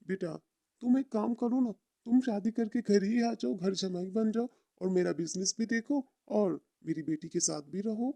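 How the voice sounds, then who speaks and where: A woman's voice: mid-range voice, normal speed, vocal fry, mellow, dry recording, voice pushed down. A woman voicing a rich, practical, doting middle-aged father in a story, blunt and coaxing. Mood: persuasive.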